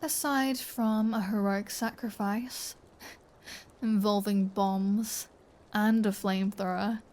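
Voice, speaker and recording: A woman's voice: medium pitch, steady tone, slow pace, a little mellow, lightly acted. A woman voicing a flirty, menacing vampire in an intimate ASMR roleplay, teasing and sardonic, often slipping into a whisper. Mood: wry, fond. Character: flirty, menacing female vampire taunting her captive hunter.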